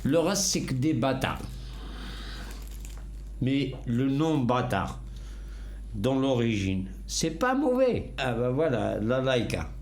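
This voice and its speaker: An older man with a Kabyle Berber mother tongue, speaking slowly and emphatically in an interview. His voice rises and falls in lively swings at a middle pitch. The room around him sounds echoey. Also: slight background noise. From North Africa. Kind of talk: unscripted conversation.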